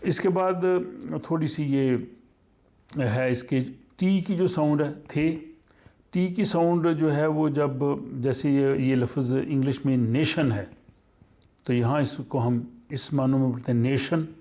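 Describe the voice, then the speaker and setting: Slow, halting man explaining a lesson. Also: on the high side, mellow. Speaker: language teacher. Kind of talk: spoken language lesson.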